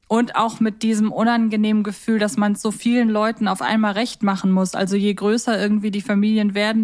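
A woman hosting a podcast in casual, chatty, expansive conversation, telling things personally. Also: medium pitch. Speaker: podcast host. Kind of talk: casual chat.

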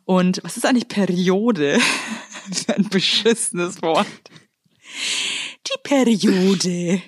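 A woman co-hosting a podcast in casual chat, loud and playful, who swears a lot and breaks into theatrical rants. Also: fairly low pitch, measured pace, no echo, clean studio sound. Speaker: podcast co-host.

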